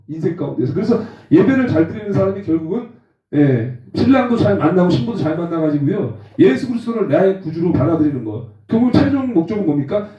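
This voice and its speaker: Man, forties, testimony sermon, animated, far off mic, dull roomy sound. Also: high voice. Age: 40s. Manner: animated, acts out rough phone quarrels with slang. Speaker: preacher. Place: church hall.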